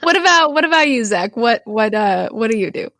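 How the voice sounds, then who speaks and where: A woman's voice: a little high, lively intonation, fairly quick, fairly bright tone, no room sound, clean studio sound. A woman hosting as game master, narrating an improvised tabletop game. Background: background music.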